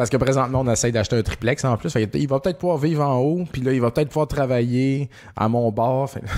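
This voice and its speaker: A man talks very fast, with his pitch varying in an ordinary way. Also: medium pitch for a man. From Quebec, Beauce. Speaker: retro gaming bar owner and father. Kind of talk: casual chat.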